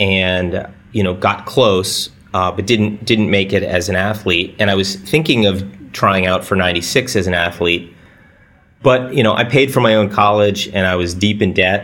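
Man with an American accent and an unremarkable speaking voice, fairly low in pitch, ordinary pitch variation, moderate pace. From US Northeast (Cape Cod) and Miami. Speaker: business executive and former sailing coach. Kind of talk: casual interview. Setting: video call from an office.

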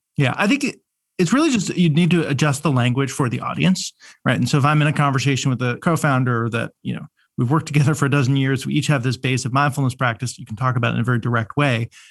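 A man speaks at a very fast pace with vocal fry. His pitch is medium, with ordinary variation. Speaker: company founder or CEO. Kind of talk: interview. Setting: office.

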